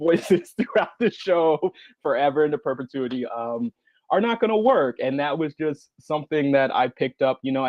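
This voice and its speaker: A man with a fairly high voice talks casually as a panelist. He tells his stories in an animated, self-mocking way. The sound is dry and slightly dull, like a lo-fi call. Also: no echo. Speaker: panelist, podcast creator. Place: remote online panel call.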